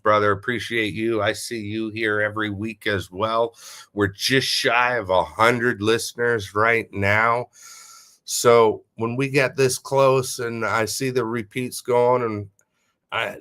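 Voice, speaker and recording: Nasal, stuffy-voiced male host. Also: lowish voice. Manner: upbeat, shout-outs to listeners. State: nasal from a head cold. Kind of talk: casual livestream chat.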